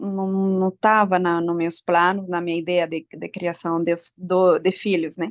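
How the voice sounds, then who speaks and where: Speaking with a Venezuelan accent at a moderate pace, a woman keeps her medium pitch in monotone, flat intonation. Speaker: talk speaker. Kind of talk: personal testimony. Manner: halting, many fillers and repetitions.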